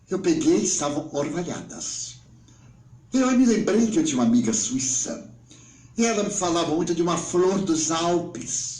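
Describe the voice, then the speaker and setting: A man in his nineties with a Brazilian Portuguese accent, giving a spiritual talk as an emotional story, swinging between hushed and exclaiming. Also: high voice, echoey room, poor audio. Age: 90s. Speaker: spiritual speaker.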